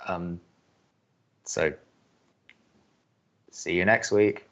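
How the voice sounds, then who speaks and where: A young college radio co-host with a low voice and a dry, sardonic edge. He hesitates often and speaks naturally, as in an audio drama. The sound is a little dull. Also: fairly even intonation, extremely slow, fairly bright tone, exaggerated voice. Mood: deflated, dry. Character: Drew, wry reluctant skeptic male college radio co-host.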